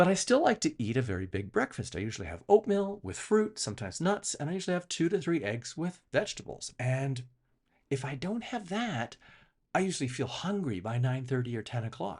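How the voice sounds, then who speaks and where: A fairly high, somewhat breathy male voice, fairly quick, with very wide pitch swings and a quiet background. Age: 50s. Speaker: life coach. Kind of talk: personal vlog monologue. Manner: conversational.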